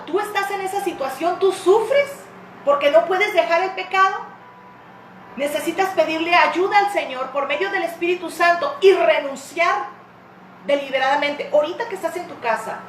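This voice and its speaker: A high-pitched woman pastor preaches, fervent and direct with her listeners. The sound is roomy and echoey, with a faint noise floor beneath it. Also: a bit bright. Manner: impassioned preaching, acting out tearful prayers. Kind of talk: sermon.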